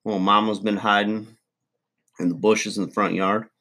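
A man's voice: lowish voice, flat delivery, normal speed, sharp tone. A man playing a crude, boastful middle-aged redneck uncle, rambling folksy advice in a comedy monologue.

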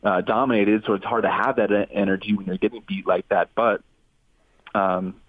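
A man in his twenties, a former quarterback calling in to a radio talk show, speaking in a halting way with many restarts. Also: fairly low pitch, steady tone, no echo. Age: 20s. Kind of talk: casual radio interview call-in. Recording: tinny phone line.

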